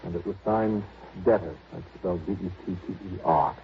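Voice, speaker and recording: A fussy businesslike insurance manager on an old 50s radio show, deepish voice, dull old sound. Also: male voice, moderate pace, vocal fry. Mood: explaining. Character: earnest, fussy male insurance office manager briefing an investigator. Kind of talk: 1950s radio drama acting. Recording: dull vintage radio recording, faint noise.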